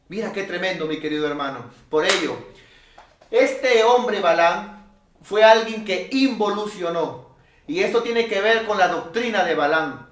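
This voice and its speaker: A man preaching a sermon as pastor, emphatic, swinging from loud calls to quiet asides. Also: high-pitched, echoey room. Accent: Peruvian Spanish.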